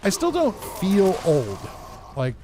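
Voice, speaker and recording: A man's voice: high voice, wildly swooping pitch, slow. A man of forty chatting casually and good-humouredly as a game streamer, reading out viewer comments as he plays. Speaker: game livestreamer. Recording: game noise and gunfire behind voice. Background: video game sounds, gunfire.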